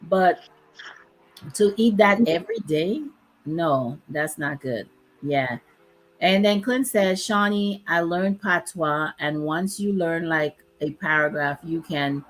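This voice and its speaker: Low-voiced woman, host of a laid-back chat; talkative, laughs easily. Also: poor audio. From Dominica. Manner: chatty, laughs often, drawn-out emphasis. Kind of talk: casual chat.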